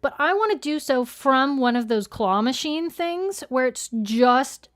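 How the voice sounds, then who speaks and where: Woman podcast cohost, kinda high voice, chatty and jokey, swears a bit, casual announcements. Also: expressive, measured pace, fairly bright tone. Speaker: podcast co-host and show creator. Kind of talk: casual live-stream announcement chat.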